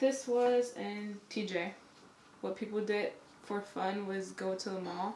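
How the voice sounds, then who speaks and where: At a fairly slow pace, a woman with a Spanish accent speaks at medium pitch and fairly even intonation over noticeable background noise. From Tijuana, Mexico. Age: young. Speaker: college student. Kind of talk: interview.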